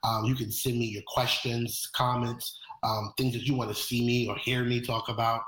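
Flat and monotone, a man with an American accent talks at a medium pitch while audible room echo fills the recording. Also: moderate pace. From Brooklyn, New York. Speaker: podcast host and company founder. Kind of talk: solo podcast introduction. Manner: hesitant with fillers.

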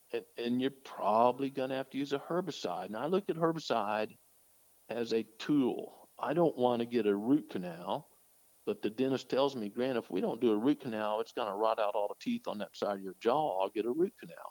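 A man with an unremarkable speaking voice and a medium pitch talks at a fairly quick pace. His intonation is lively, and the sound is dry and close with no echo. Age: 60s. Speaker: wildlife biologist. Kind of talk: interview.

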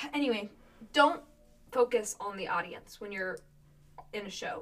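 A woman's fairly high voice at a moderate pace, with ordinary pitch variation, long, frequent pauses and noticeable background noise. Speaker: podcast co-host. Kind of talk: casual chat. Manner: dry humor, hard to tell if joking.

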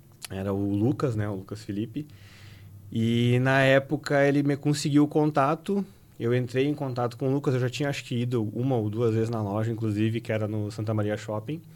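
Speaking in a normal speaking voice, the talker moves at a fairly quick pace with ordinary pitch variation. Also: man, medium pitch for a man. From Rio Grande do Sul, Brazil (Alegrete). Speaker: fitness professional, supplement business owner. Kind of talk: casual interview chat.

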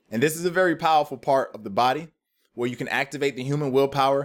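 Energetic in tone, a man with an American accent speaks at a fairly high pitch with ordinary variation, in a very clean recording with a silent background. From South Miami, Florida; Haitian family. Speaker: business coach and podcast host. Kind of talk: motivational monologue. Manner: casual, energetic.

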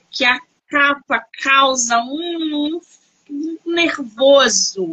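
A woman speaks at a high pitch. Her tone is animated. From Rio de Janeiro, Brazil (Tijuca). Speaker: book podcast / live-stream host. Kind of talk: casual interview. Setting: live video stream.

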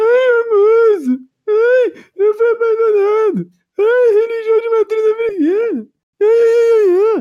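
An extremely high, whiny put-on character voice moves at a very slow pace. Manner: mocking, whiny, exaggerated.

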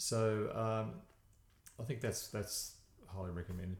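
A fairly quick pace from a man with an Australian accent. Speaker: trauma psychologist. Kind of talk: casual interview.

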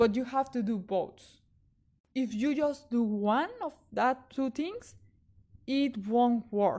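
A woman with a Spanish accent, high-pitched yet dark and mellow in tone, at a very slow pace with long, frequent pauses and ordinary pitch variation. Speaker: wellness podcast host. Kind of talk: solo podcast talk. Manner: halting.

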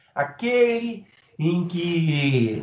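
A man speaks with lively intonation. His voice is fairly high. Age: 50s. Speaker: ufologist. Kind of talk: interview.

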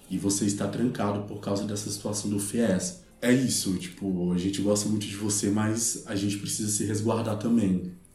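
A man speaks in a monotone with a fairly low pitch at a moderate pace, with hardly any pauses and audible room echo. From Brazil, Minas Gerais (Contagem). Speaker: coffee specialist. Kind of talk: interview.

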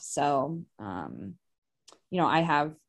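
A woman speaks with an American accent and vocal fry, her pitch varying in an ordinary way. The background is quiet. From Chicago suburbs, Illinois. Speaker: special education teacher. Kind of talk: casual chat.

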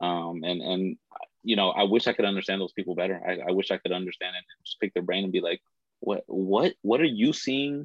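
Pitched fairly low, a man's voice shows ordinary variation in pitch. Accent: Spanish. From Northern Virginia, US. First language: Spanish. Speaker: podcast guest. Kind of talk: casual chat.

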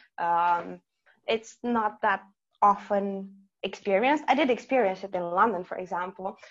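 Here is a woman with an Eastern European accent. Her pitch sits in the medium range. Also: ordinary pitch variation, moderate pace. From Romania. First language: Romanian. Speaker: immigrant professional living in London. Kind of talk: casual interview chat. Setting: remote call.

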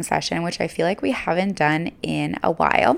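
A woman speaks in an animated tone at a fairly quick pace. Noticeable background noise runs behind her. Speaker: podcast host and business coach. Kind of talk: solo podcast teaching.

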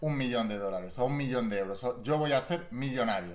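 Very wide pitch swings mark this man's animated tone. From Spain, Barcelona. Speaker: motivational speaker. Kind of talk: motivational monologue to camera.

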